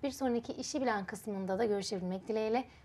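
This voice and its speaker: A woman is speaking. Her pace is fairly quick. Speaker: TV talk show host. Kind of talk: TV interview. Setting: TV studio. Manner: formal. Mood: warm, smiling. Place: studio.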